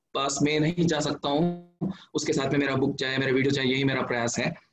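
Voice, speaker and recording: Music plays in the background behind a flat, monotone delivery. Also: man. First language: not Hindi, speaks English and a South Indian language (speaking Hindi). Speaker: memory trainer and author. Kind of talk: talk to online club audience, Hindi-English mix. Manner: halting, many fillers.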